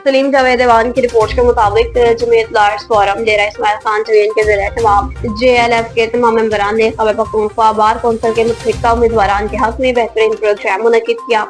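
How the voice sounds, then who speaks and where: A woman from Pakistan reading a regional news bulletin as anchor, in a formal, measured delivery. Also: on the high side, little pitch movement, soft background music.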